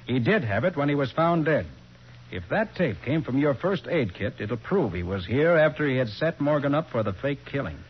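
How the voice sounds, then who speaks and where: An American actor playing a confident, sharp private detective in a 1940s radio crime drama, with an assertive, explanatory manner. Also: male voice, medium pitch, sing-song, moderate pace, breathy edge. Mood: confident, accusing. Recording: dull 1940s radio recording.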